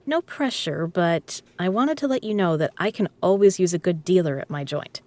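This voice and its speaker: A woman with a lowish, darkish, animated voice plays a tough, teasing poker club owner in a scripted audio drama, addressing the listener directly at a normal pace. Her manner is dry and casual, lightly acted, and she sounds reassuring and candid, with a dry recording.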